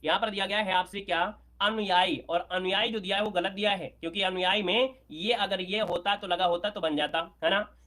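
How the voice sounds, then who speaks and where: A man teaching Hindi grammar for an exam, working through questions aloud, repeating words and checking that it is clear. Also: sits high, fairly even intonation, brisk, pushed and bright. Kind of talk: exam prep lesson.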